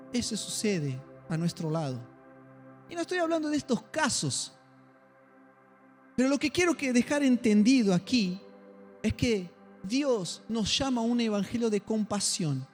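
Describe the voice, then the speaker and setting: High-voiced pastor. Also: male voice. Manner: emotional storytelling, acts out dialogue. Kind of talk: sermon storytelling. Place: church.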